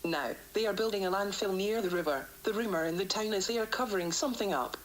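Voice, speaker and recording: A woman playing a worried, defiant doctor dictating formal, measured research logs for an analog horror tape series, recorded on vintage cassette. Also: mid-range voice, a little hiss or hum, lightly acted, low-quality recording. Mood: frustrated, resolute. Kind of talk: analog horror tape log, scripted report.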